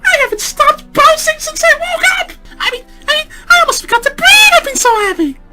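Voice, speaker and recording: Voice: extremely high pitch, lively intonation, fairly quick, sharp tone, soft background music, voice pushed up, heavily acted. A narrator voicing a bubbly, hyperactive young pink pony mare in a storybook reading, squealing and gushing.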